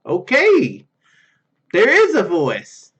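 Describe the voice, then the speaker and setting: A man hosting a gaming video, commenting casually and reading game text aloud in a halting, rambling way. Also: high voice, huge pitch swings, fairly bright tone, slightly rough, lo-fi sound.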